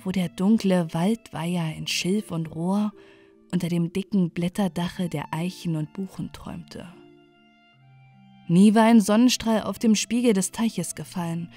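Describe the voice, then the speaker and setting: A woman calmly reading a bedtime fairy tale in a gentle, soothing way. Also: medium pitch. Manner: slow, soothing, gentle delivery. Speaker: storyteller.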